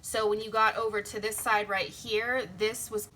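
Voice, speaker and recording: Chatty young woman planning at her craft desk, tired early morning voice, bright tone, printers humming faintly. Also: mid-range voice, little pitch movement, normal speed, a little hiss or hum. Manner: chatty, rambling, self-interrupting. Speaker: planner vlogger and sticker shop owner. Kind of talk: casual plan-with-me chat. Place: home craft desk, indoors. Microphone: phone camera overhead. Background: printers running.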